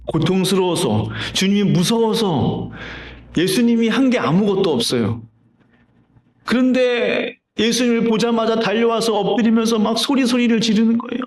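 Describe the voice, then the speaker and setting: Male pastor, sermon, conversational and questioning, slightly raised pitch, reverberant sanctuary. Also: moderate pace. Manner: conversational storytelling with rhetorical questions. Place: church sanctuary. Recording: roomy church reverb.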